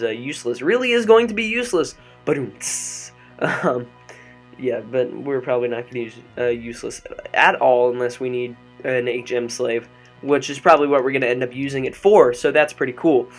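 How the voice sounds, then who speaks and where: A young man talks over his gameplay into a desk mic, rambling and joking with plenty of ums along the way. His voice sits at an ordinary middle pitch. Soft background music plays quietly underneath. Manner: chatty and jokey, lots of ums. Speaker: let's play host. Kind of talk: gameplay commentary. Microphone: desk microphone. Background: faint background music.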